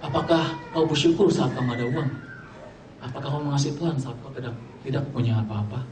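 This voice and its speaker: Young preacher, chatty and joking, mixes in English; roomy hall sound, faint background noise. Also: male voice, mid-range voice, fast talker. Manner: chatty Jakarta slang mixed with English, joking with the audience. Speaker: youth preacher. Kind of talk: casual sermon. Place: church hall. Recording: echoey hall, distant mic, faint ambience.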